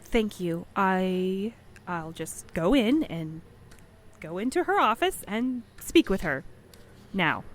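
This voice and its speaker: A woman's voice: mid-range voice, very animated, slow. A woman playing an earnest, reserved courier in an audio drama, choosing her words carefully and diplomatically. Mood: awkward. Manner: careful, formal, conciliatory. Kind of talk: audio fiction acting.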